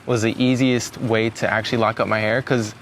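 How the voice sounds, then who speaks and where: Fast-talking young man hosting a chat. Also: fairly low pitch, little pitch movement, background noise. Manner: quick, filler-heavy, advice-giving. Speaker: host. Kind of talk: casual chat.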